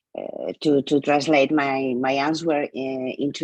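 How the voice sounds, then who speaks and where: A woman's very deep, low voice, flat and monotone, at a very slow pace, with a dry, close sound and no echo. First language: Spanish. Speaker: researcher presenter. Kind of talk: webinar discussion. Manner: halting.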